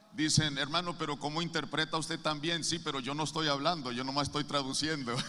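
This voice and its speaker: Over noticeable background noise and audible room echo, a man with a fairly high pitch rattles along very fast in a flat monotone, hardly pausing at all. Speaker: preacher. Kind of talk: sermon.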